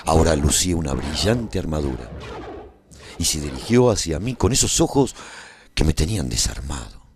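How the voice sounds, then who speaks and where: A man playing a humane war survivor who recounts his own story in an expressive, reflective radio drama narration. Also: extremely low pitch, moderate pace, exaggerated voice. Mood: smitten, reflective.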